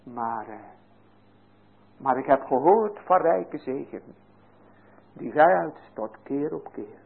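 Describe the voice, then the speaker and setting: A man preaching a sermon, earnest, rising to loud pleading and sinking low again. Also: lively intonation, gravelly, husky. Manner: slow deliberate delivery with pauses. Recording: tinny phone-like sermon recording.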